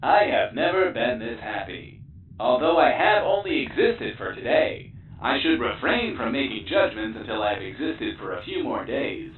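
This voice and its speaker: A man's voice: mid-range voice, very animated, normal speed, reverberant, phone-quality sound, a little hiss or hum, lightly acted. Man acting stiff, agreeable programmed double. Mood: content, matter-of-fact. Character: newly made, literal-minded, agreeable programmed double of the host. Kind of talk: full-cast audio drama acting.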